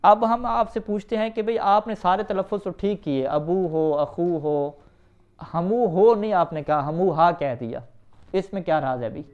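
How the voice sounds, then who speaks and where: Male grammar teacher, high clear voice, runs a question-and-answer lesson, reads Arabic quickly, muffled lo-fi recording. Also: darkish tone. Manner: asks students questions and answers them himself; reads Arabic quickly, then explains in Urdu. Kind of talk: classroom lesson reading and explaining an Arabic text. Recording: dull, lo-fi recording.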